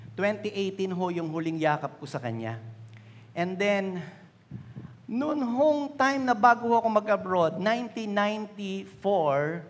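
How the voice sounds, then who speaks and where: A man preaching in a church, his voice pitched very high. He tells a personal testimony with deep feeling and addresses the congregation politely. The hall's long reverb trails behind every phrase. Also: a little hiss or hum. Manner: emotional storytelling, polite address with "ho" and "po". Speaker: pastor. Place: church hall.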